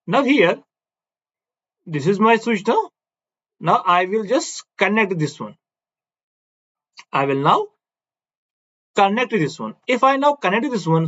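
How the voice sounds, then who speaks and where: A man's voice: high voice, fairly bright tone, muffled recording. A man with a South Asian accent giving a classroom physics lecture, explaining step by step, repeating himself and adding question tags. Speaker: physics teacher.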